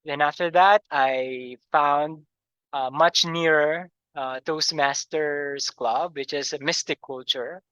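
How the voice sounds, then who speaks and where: A man, speaking haltingly as a guest in an interview, with many pauses and fillers. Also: fairly high pitch, fairly even intonation, sharp tone, clean tone, no echo, rough recording. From Philippines.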